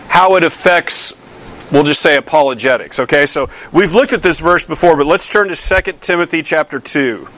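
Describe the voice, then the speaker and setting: Higher-voiced man preaching a conversational sermon. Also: fairly bright tone. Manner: conversational, asks the congregation many questions, frequent restarts. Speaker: pastor. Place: church.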